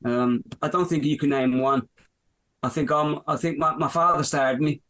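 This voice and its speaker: A man's voice: on the high side, steady tone, moderate pace, a bit bright. Rambling Irish man in his fifties. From Ireland. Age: 50s. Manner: rambling, full of fillers and restarts. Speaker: business owner guest. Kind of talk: podcast interview.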